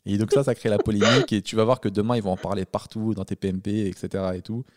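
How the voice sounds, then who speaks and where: A man hosts a relaxed conversation with blunt, slangy phrasing. His pitch is middling and the sound is dry and close. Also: fast, no room sound. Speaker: podcast host. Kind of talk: casual chat.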